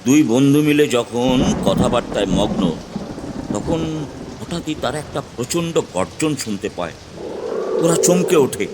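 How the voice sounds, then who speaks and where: A man's voice: medium pitch, animated, measured pace, very noisy. A man telling a village ghost story in the first person as a tantric guru, in a dramatic storytelling manner. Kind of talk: scripted horror narration.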